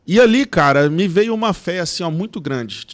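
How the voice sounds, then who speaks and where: A man's voice: high voice, animated, moderate pace. A man guest on a podcast, telling personal stories casually with a stutter, repeating sounds and words, often laughing as he talks. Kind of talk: casual storytelling.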